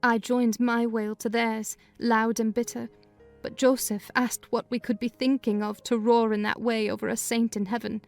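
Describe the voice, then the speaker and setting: A woman narrating a dramatized audiobook reading in a measured storytelling manner. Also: a little high, flat delivery, creaky, soft background music.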